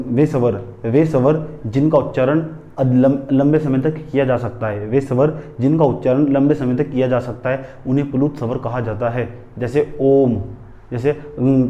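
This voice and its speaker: A man teaching a Hindi grammar class repeats key terms, asks and answers his own questions, and tells students to write down the headings he dictates. His mid-range voice has a dark tone, and the recording is muffled.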